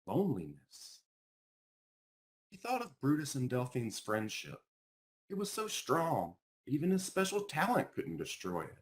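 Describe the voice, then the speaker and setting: A man reading a children's picture book aloud in an expressive storytelling style, as its author. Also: mid-range voice, unhurried.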